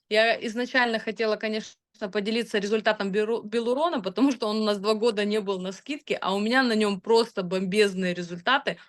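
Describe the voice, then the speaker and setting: A woman's voice: medium pitch, fairly bright tone. A woman in her thirties talking casually about her own results, chatty and hesitant, with frequent filler sounds. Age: 30s. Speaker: customer sharing product results. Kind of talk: casual testimonial talk.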